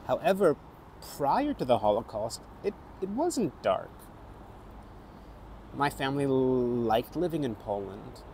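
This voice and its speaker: A middle-aged man with a North American accent, an actor reflecting on his life in a thoughtful, halting way with frequent restarts. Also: mid-range voice, big pitch swings, mellow, slight background noise. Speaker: actor and theatre maker. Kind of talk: reflective personal vlog.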